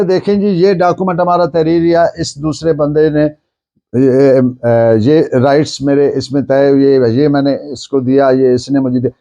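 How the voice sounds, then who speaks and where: In a warm, fairly high voice, a man with a Pakistani accent lectures on law, purposely circling back to rephrase and repeat the important points.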